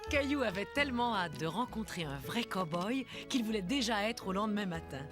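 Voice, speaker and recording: A woman performing as the gentle storybook narrator of a children's cartoon, telling it expressively to young listeners. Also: medium pitch, expressive, fairly quick, over music, lightly acted. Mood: storytelling.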